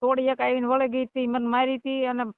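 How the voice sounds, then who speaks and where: A Kathiyawadi woman speaks as a caller, plaintive and informal. Her voice is high and clean in tone. The phone connection narrows the sound. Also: completely flat delivery, fairly quick, clean tone. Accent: Kathiyawadi Gujarati. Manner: plaintive, recounting hardships. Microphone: phone call. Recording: band-limited phone call recording.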